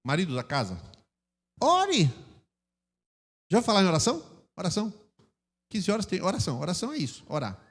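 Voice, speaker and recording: An older man preaching a sermon in Brazilian Portuguese, animated and acting out quarrels in mock voices. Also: high voice, rapid-fire. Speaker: pastor. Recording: long church reverb.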